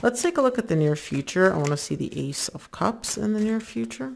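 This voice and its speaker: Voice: medium pitch, lively intonation, a little fast, vocal fry, a little hiss or hum. A tarot reader giving a casual reading to viewers, chatty and full of filler words, who often acts out the listener's inner thoughts.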